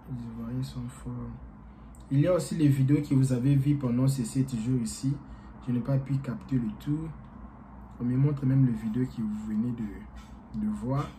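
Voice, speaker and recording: Rambling man with a mellow voice. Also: medium pitch, a little hiss or hum, rough recording. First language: Portuguese. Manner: rambling, repeats himself, halting with fillers. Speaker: YouTuber. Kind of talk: casual talk to viewers.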